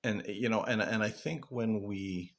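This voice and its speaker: Very deep, husky-voiced man. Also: a little slow. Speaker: paranormal investigator and channel host. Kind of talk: casual reflective monologue to viewers.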